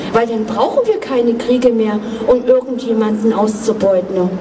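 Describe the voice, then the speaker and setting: Noticeable background noise runs under a woman's speech. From former East Germany. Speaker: activist speaker at a vigil; speaker. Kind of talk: public speech. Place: street. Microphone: handheld.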